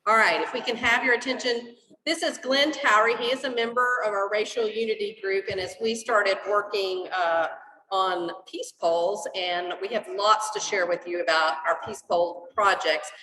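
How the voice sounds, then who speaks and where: A woman facilitator gives clear, organized instructions to a room of club members. Her voice sounds a little distant from the mic, with a roomy echo and long reverb around it. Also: mid-range voice, fairly even intonation, normal speed, sharp tone. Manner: organized, directive. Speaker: meeting facilitator. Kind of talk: giving group instructions. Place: meeting hall. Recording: echoey hall, mic held at a distance.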